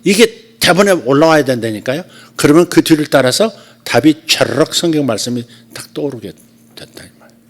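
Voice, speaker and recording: A man's voice: a little high, lively intonation, brisk. Male pastor preaching in storytelling style. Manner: storytelling, with loud and soft swings. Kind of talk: conversational sermon. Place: church service.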